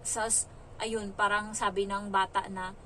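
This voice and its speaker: A woman from the Philippines working as a domestic helper, telling a story casually on her vlog in an animated way and acting out the dialogue. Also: mid-range voice, measured pace, a little hiss or hum, low-quality recording. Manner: animated retelling with quoted dialogue.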